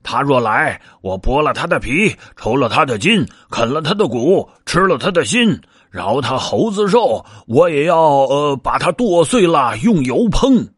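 A boastful demon roars threats in a high, strained voice, as a man puts him on for a told story. The voice swings widely and carries a husky grain. The recording is dry and close. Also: big pitch swings, measured pace, hardly any pauses, dry recording, heavily acted. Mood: raging. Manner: raised, ranting threats. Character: furious boastful male demon, cruel threats.

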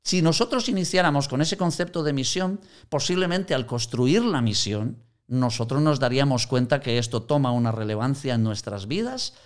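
A man's voice: mid-range voice, normal speed. A man in conversational teaching on Christian mission, telling anecdotes and acting out quoted voices. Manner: animated storyteller, acts out quoted voices.

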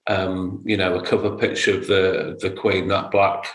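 A man's voice: low-pitched, level tone, normal speed. A man co-hosting a casual marketing chat, often stumbling and repeating his words. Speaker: podcast co-host. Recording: echoey room.

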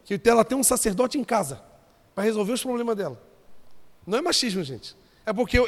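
A man preaching as a pastor, joking and calling out to the congregation. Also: sits high. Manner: conversational, joking, calls out to the congregation. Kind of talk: sermon. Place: church hall. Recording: long reverb of a church hall.

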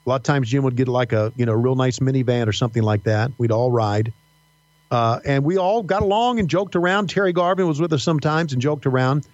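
Middle-aged male guest with a faint Southern accent, halting storyteller, dry, slightly muffled audio. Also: medium pitch, darkish tone, no room sound. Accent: slight Southern American. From Virginia mountains. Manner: halting, many fillers and restarts. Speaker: podcast guest, wrestling announcer. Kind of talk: casual interview storytelling. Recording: dull dry podcast audio.

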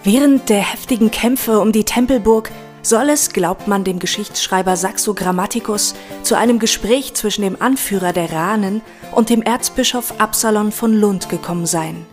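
Eine Frau spricht als Erzählerin einen vorbereiteten dokumentarischen Text. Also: female voice, mid-range voice, moderate pace, a little mellow, soft background music. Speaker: narrator. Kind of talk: scripted documentary narration.

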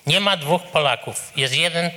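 A man's voice: fairly high pitch, moderate pace, sharp tone. An older man from Poland putting a blunt, insistent question from the audience at a public discussion. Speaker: audience member asking a question.

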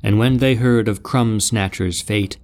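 A man narrating an epic tale in a grave, measured storytelling manner. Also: fairly low pitch, darkish tone.

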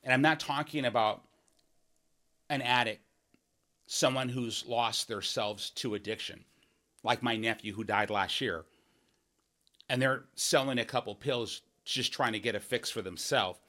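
A man's voice: mid-range voice, unhurried, long pauses, bright, forceful tone. Emphatic man making a campaign case. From Washington State. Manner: earnest and emphatic, with frequent restarts and rhetorical "right?" asides. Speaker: political candidate hosting a podcast. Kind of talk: campaign podcast monologue.

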